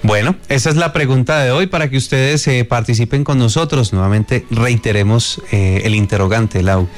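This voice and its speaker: A man's voice: medium pitch, moderate pace. Man hosting a radio show. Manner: relaxed, laughing, chatty. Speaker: radio host. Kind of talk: morning radio chat. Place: radio studio.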